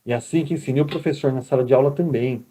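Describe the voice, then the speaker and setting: This recorded lecture comes from a male teacher with a Brazilian Portuguese accent and a dark, husky, mid-range voice. He talks fast and conversationally, regularly checking in with the people listening.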